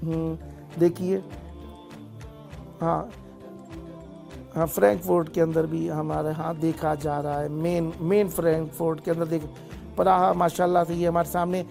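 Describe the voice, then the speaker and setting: Speaking on a live TV call-in show, a man blesses his callers as he thanks them and explains things, now and then tripping on foreign place names. His voice is on the high side, gravelly and darkish, with a flat delivery and long pauses, and soft music plays behind him.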